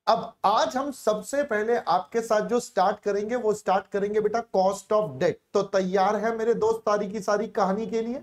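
A male teacher leads a live online class in a coaxing, repetitive way. He checks in often and slips English phrases into his explanations. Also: sits high. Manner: coaxing, repeats phrases, calls students "beta".

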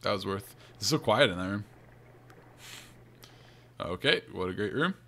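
A man's voice: on the low side, lively intonation, unhurried, pushed and bright. A man giving casual commentary on a video game he is playing, with wry, sarcastic asides. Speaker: let's player narrating and reading game dialogue aloud. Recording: game music behind the voice. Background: video game music.

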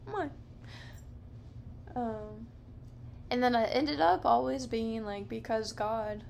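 Speaking softly and slowly with many fillers, a woman in her thirties rambles through a solo podcast monologue in a dim living room at night. Her voice is a little high and gravelly; she's captured close up by a camera, either handheld or on a low stand, with slight background noise.

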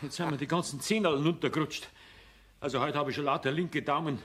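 An actor playing a sceptical, mocking middle-aged tradesman with a Bavarian accent and a rough voice in a children's radio play. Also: on the high side, a little fast, fairly bright tone, slight background noise, lightly acted. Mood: grumbling. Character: sceptical, blustering male tradesman neighbour, mocking and grumbly.

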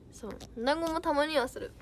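A woman's voice: high-pitched, a little mellow, slight background noise. A young woman idol chatting casually on a livestream, reading out viewer comments with bubbly giggles.

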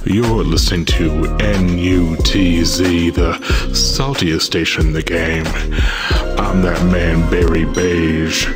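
A man playing a cocky, smooth-talking cartoon radio DJ with swaggering, slangy, crude patter. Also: deep voice, steady tone, takes it slowly. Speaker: radio host. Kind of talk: comic hip hop radio DJ patter. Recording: loud hip hop music behind. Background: hip hop music.

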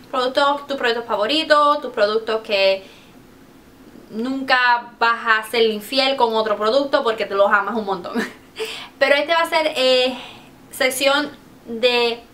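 Chatty girl beauty vlogger, kinda high voice, drops english words into spanish, some faint background noise. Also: a bit bright. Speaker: beauty video host. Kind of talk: casual chatty product review.

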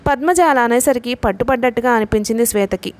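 A woman reading a novel aloud in a steady storytelling manner. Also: a little high, fast. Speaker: audiobook narrator.

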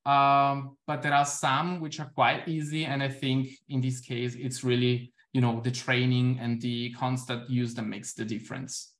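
Over a laptop webcam from a room at home, a young adult presenter whose native language is Italian gives an academic talk and fields a question at a conference. His medium-pitched, slightly bright voice is flat and measured with few pauses, steady but full of ums.

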